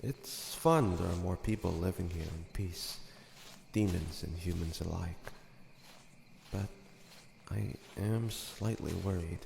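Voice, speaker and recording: A man playing a gentle, protective demon older brother in an audio drama, coaxing and reassuring as he talks. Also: low-pitched, takes it slowly, gravelly, exaggerated voice. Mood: fond, teasing. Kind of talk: dramatic audio roleplay acting. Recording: echoey, long reverb, faint noise.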